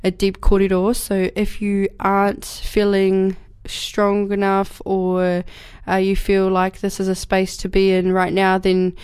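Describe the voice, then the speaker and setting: A woman's voice: medium pitch, completely flat delivery, unhurried, a little mellow, clear, resonant tone. A young woman from New Zealand, speaking with a New Zealand accent, hosts her community radio show with a cold, in a rambling, casual way full of fillers and restarts. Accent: New Zealand English. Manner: rambling, many fillers and restarts, laughs often. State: has a cold. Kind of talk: casual solo radio talk. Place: radio studio.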